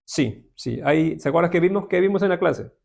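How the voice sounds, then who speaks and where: A Peruvian man leads a relaxed Bible class, his gravelly voice sitting a bit high for a man. He talks in a loose, conversational way and keeps tossing questions at his students. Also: fairly quick. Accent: Peruvian Spanish. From Peru. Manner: conversational, many filler questions, asks the class. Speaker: Bible teacher.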